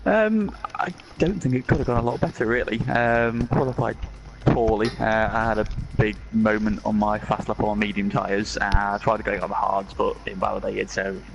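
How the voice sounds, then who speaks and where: A man with a low, creaky voice recaps his race casually as an interviewed driver. The voice chat is clearly noisy, with clicks. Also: steady tone, normal speed, hardly any pauses, dull audio. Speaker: racing driver being interviewed.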